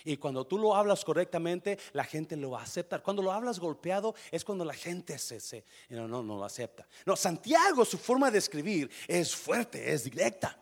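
Pastor guy preaching, high voice that jumps all over, quizzes the crowd, gets loud then quiet. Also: sing-song, normal speed, gravelly, few pauses. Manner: calls out questions to the congregation; swings from quiet asides to loud bursts. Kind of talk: sermon.

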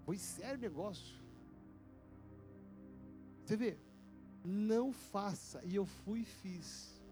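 A male pastor, telling a personal story in a sermon with vivid, animated delivery and sound effects. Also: high voice, takes it slowly, music in the background.

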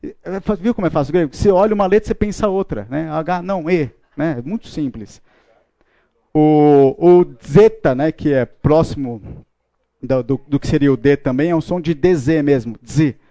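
A man's voice: a little high, moderate pace, mellow, no echo. A man teaching a Bible class, joking and playful with his students. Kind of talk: classroom lecture. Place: classroom with a live audience.

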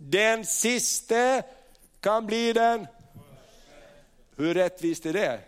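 Man, middle-aged, preacher, sermon, high-pitched, smooth clear voice, animated storyteller. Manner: animated storytelling, acts out voices, frequent hallelujahs.

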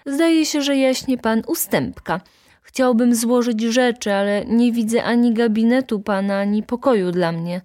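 A woman's voice: on the high side, a little slow, darkish tone, no room sound, studio quality, voice pushed up, natural voice. Woman doing a haughty bossy male valet. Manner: haughty, commanding.

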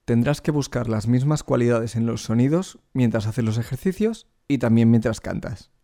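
A man teaching a singing lesson, explaining vocal technique clearly and speaking directly to the learner. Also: medium pitch, moderate pace, mellow. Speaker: vocal coach.

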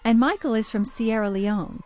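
An actress playing a friendly, chatty child care worker who answers a reporter's questions. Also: female voice, a little high, normal speed, darkish tone, close to an everyday voice. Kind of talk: scripted interview answers.

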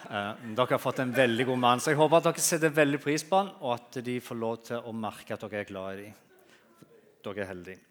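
Male guest preacher, animated storyteller, mid-pitched, loud then soft. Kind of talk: sermon with humorous anecdotes.

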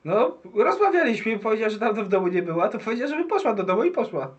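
A man voicing a small, chatty, innocent child with a high, piping voice. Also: big pitch swings, rapid-fire, highs cut off, a little hiss or hum.

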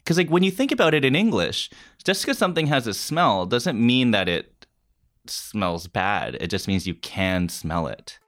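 A young man from Canada, a graduate student interview guest, speaking in a relaxed, chatty way with many fillers. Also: fairly low pitch, moderate pace. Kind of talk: casual interview.

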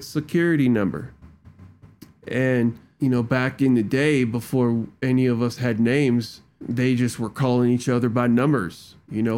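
A man's voice: medium pitch, a little mellow. A man casually rambling through a tech walkthrough into a desk microphone, with loose slangy talk and lots of fillers. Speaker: tech video creator. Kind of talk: casual screen-recording walkthrough. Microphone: studio microphone at a desk.

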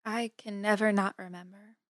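A woman's voice: mid-range voice, steady tone, moderate pace, no echo, clean studio sound, close to an everyday voice. A woman playing a grieving, introspective young woman in an audio drama, speaking in a hesitant, understated way. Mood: wistful, uncertain. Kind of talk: audio drama acting, naturalistic dialogue.

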